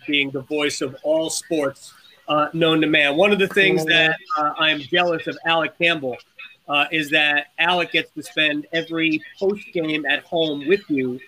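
A male sports show host with a high, very bright voice. He talks in a casual, chatty way, often pausing and feeling his way through a sentence. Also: fairly even intonation, rough recording.

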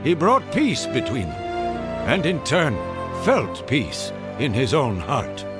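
An actor playing a dignified Native American chief who fondly recounts the past in measured, solemn radio drama narration. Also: male voice, mid-range voice, wildly swooping pitch. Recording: music behind the voice. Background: clear music.

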